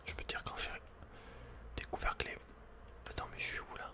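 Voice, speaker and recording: With a brisk pace, a man delivers playful, casual ASMR commentary over a video game. He whispers breathily and without voicing, positioned close to the microphone.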